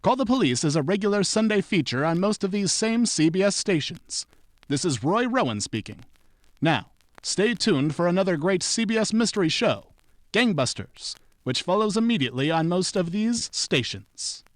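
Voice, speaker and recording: A man's voice: high voice, sing-song, normal speed, no echo, clean studio sound. A man playing a polished, enthusiastic network announcer in 1940s radio style. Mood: brisk, promotional.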